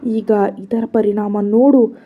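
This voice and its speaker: Woman doing a cruel possessive young man, threatening, mocking, flat husky voice, dull lo-fi audio. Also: a little high, takes it slowly. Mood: menacing.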